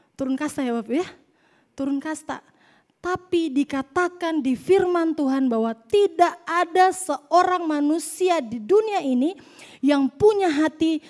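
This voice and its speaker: A young woman preaching a sermon, telling the story lively and joking with the congregation. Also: sits high.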